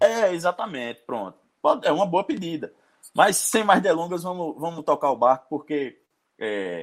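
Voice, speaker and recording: A plain, everyday voice moves at a moderate pace with lively intonation, captured in a very clean recording with a silent background. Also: man. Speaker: podcast host, football commentator. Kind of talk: casual chat, live-streamed podcast.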